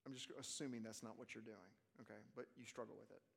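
A man with a Southern US accent answering questions in a casual, halting teaching style, rephrasing as he goes. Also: fairly low pitch, steady tone, creaky, fairly bright tone, breathy edge. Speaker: preaching teacher leading a question session. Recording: long reverb of a large hall.

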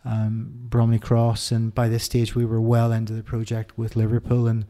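A middle-aged Irish interview guest speaks candidly about personal matters in a mellow, low-key voice with completely flat delivery. His speech is halting and thoughtful, full of restarted sentences and ums filling the pauses.

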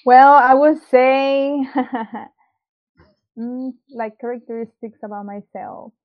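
A woman's voice: high-pitched, level tone, slow pace. A young woman from Mexico, raised in South Texas, giving a casual personal testimony as an interview guest, hesitant and full of ums and likes. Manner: hesitant, many ums and likes, laughs easily. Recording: dull lo-fi sound.

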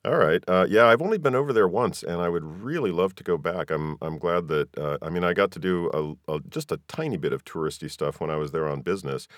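An American man hosting a podcast interview, chatty and quick to laugh, often pausing on fillers. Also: low-pitched, no room sound, clean studio sound. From United States. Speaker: podcast host. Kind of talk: casual interview chat.

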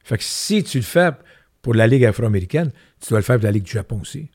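An older man speaks with a Québécois French accent, his voice sitting in an ordinary middle register. He tells anecdotes in an animated way and hammers points home by repeating them. The sound is close and dry, with no room around him. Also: mid-range voice, quick pace, husky, no room sound. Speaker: guest. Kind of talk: candid interview talk.

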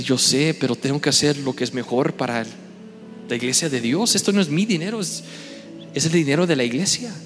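Pastor telling a story in a reverberant hall. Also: male voice, mid-range voice. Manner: storytelling, acting out both sides of phone calls. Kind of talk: sermon storytelling. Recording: long hall reverb with faint music.

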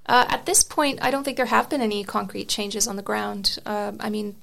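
A woman's voice: medium pitch, fairly even intonation, moderate pace, vocal fry, a bit bright. A young woman whose first language is Serbian, explaining her views thoughtfully as an interview guest. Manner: thoughtful, frequent restarts and fillers. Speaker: interview guest, article author. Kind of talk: conversational interview.

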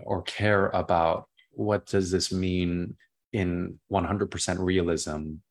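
A young man with a naturally deep voice, a playwright answering interview questions in an expansive, enthusiastic way that drifts into tangents. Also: fairly even intonation, slow. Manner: expansive, enthusiastic, prone to tangents and repeated words.

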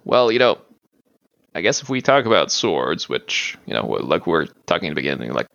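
A man's voice: sits low, very animated, a little fast, gravelly, fairly bright tone, no room sound, highs cut off. A man whose first language is French, talking as a podcast guest, hesitant, with many fillers and restarts. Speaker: guest, martial arts practitioner. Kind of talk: casual interview talk.

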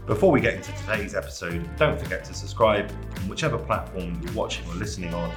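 A man's voice: lowish voice, roomy sound. A man hosting a podcast, introducing the show and asking questions in an upbeat way with many fillers. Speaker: podcast host.

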